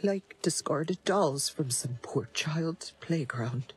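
A woman playing a haunted, grieving survivor, hushed and sorrowful. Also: deep voice, lively intonation, takes it slowly, slightly rough, soft background music, exaggerated voice.

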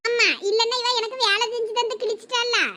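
A woman's voice: very high voice, little pitch movement, very noisy. A woman with a Thoothukudi Tamil accent playing a village mother who keeps scolding and nagging her daughter in a comedy skit. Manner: scolding, quick sharp nagging.

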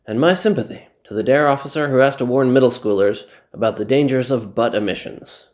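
A man's voice: mid-range voice, a little fast, a little mellow. A man in his thirties co-hosting as a parody news anchor, reading scripted joke headlines with mock-serious delivery.

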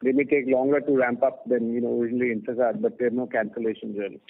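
A man speaks over a narrow, tinny phone line in a mid-pitched voice. He gives unscripted executive answers on a business call, halting and padded with filler phrases. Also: level tone, vocal fry. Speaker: company executive answering analysts. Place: telephone conference call.

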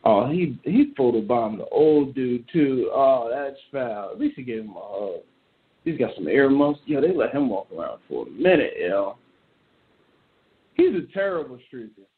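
A man's voice: medium pitch, big pitch swings, moderate pace. A man hosting a talk show, ranting in a loose, joking, slangy way. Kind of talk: casual solo commentary. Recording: tinny phone-like audio.

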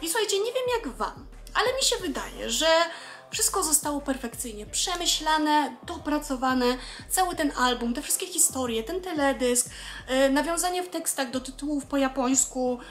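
High-voiced chatty woman vlogger. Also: moderate pace, faint music behind. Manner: chatty, lively, many filler sounds. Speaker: vlogger explaining Japanese. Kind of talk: casual explanatory vlog.

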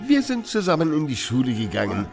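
An actor playing an older, smug and patronising tattoo artist with a theatrical drawl in a German audio drama. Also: male voice, on the high side, huge pitch swings, fairly quick, creaky, a little mellow, soft background music, heavily acted. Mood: genial, smug.

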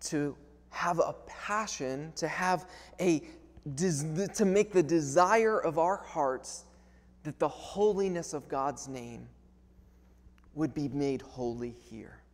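A man's voice: a little high, darkish tone. A man in his thirties preaching a sermon earnestly, often restarting and repeating words as he goes. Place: large wooden-panelled church, indoors. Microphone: clip-on lapel microphone. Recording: long church hall reverb.

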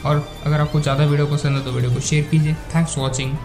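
A slightly hoarse young man giving a casual, rambling voice-over review of phone themes for his tech channel. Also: a little high, flat delivery, fast talker, over music. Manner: rambling, filler-heavy casual talk. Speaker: tech YouTuber.

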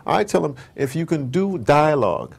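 Male interviewee, gravelly edge, conversational but emphatic, digressive, repeats himself for weight. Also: on the high side, very animated, moderate pace. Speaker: interviewee, audio drama producer.

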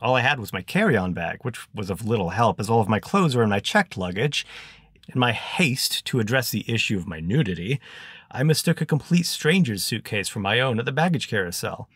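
A man voicing a wordy, pompous gentleman adventurer, in a dry close recording. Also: mid-range voice, lively intonation, fairly quick, husky, no room sound.

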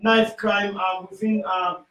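A middle-aged man with a Sierra Leonean accent hosting a call-in radio talk show, often pausing with "um" as he frames questions in a small studio. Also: high-pitched, flat delivery, fairly bright tone, recorded from a distance. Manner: hesitant, many "um" fillers. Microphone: studio microphone, headphones. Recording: echoey studio from off-mic.

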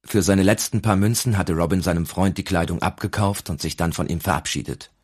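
A man narrating an audiobook in a calm, even storytelling manner. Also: low voice, brisk, husky.

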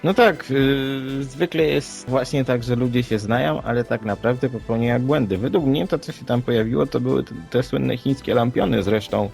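Male podcast co-host, gravelly creak, sceptical explainer, music in the background. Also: medium pitch, moderate pace, few pauses, darkish tone. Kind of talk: unscripted paranormal news discussion.

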